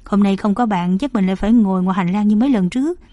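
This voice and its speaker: A woman voices a young male journalist who teases and jokes at his own expense. The tone is warm and mellow, and the sound is dry, close and unadorned, in the manner of an audiobook. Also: medium pitch, fast talker, no room sound, natural voice. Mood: teasing. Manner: playful, self-mocking banter. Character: joking young male journalist, teasing and easygoing. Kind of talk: audiobook character reading.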